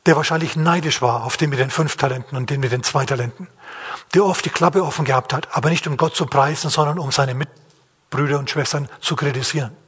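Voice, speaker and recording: Man, preacher, sermon, husky, slightly high voice, plain-spoken. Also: a little fast, fairly bright tone. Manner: questioning, plain-spoken, acts out quotes. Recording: long hall reverb.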